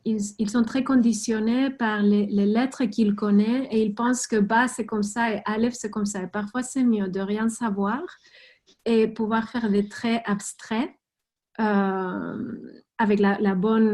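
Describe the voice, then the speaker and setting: Halting, mellow-voiced woman calligrapher. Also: mid-range voice. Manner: halting, repeats words while thinking. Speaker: guest calligrapher and teacher. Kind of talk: answering questions in an online talk.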